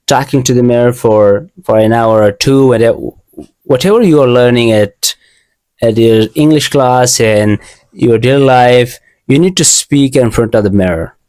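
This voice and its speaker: A man's voice: mid-range voice, normal speed, darkish tone, dry recording. A young man from Asia, whose first language is an Asian language, gives a casual English lesson in earnest, learner English, often repeating and restarting phrases. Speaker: English teacher.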